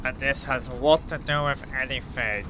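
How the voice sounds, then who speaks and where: A man's voice: mid-range voice, moderate pace, sharp tone, natural voice. A man playing a grumpy, sarcastic birdman hero in an audio drama, with a dry, impatient manner. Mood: brisk, impatient. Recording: noisy amateur audio recording.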